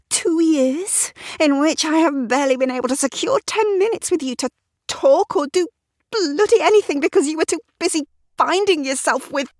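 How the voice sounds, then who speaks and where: A high-strung, irritable wife speaks in a sharp, exasperated voice that sits well above a low speaking range, as a woman reader puts her on. The sound is dry and close. Her lines come clipped and strained. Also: dry recording, natural voice.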